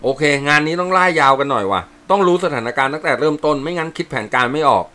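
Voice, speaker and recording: A man's voice: on the high side, expressive, racing, pushed and bright, voice pushed up. A man voicing a blunt male sergeant briefing his squad in plain, coarse words. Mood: explaining. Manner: blunt, matter-of-fact, coarse. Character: gruff male sergeant, blunt team leader.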